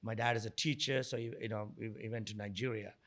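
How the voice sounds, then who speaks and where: A man's voice: fairly low pitch, fairly even intonation, fast talker, fairly bright tone. A middle-aged man from Sri Lanka answering interview questions conversationally as a guest, often repeating words and rephrasing as he goes. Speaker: guest, entrepreneur and investor.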